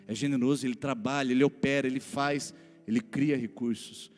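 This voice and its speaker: A man's voice: medium pitch, fairly even intonation, brisk, a little mellow. A man with a Brazilian Portuguese accent, a pastor preaching an emphatic sermon and often addressing the congregation directly. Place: church hall. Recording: church hall reverb, faint music.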